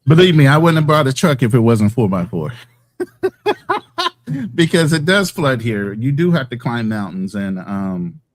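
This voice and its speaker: A relaxed, fairly low-voiced American man chats on a call about life abroad. He tells stories at an easy pace and now and then acts out the other people in them. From United States. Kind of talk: casual video-call chat. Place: abroad in the mountains.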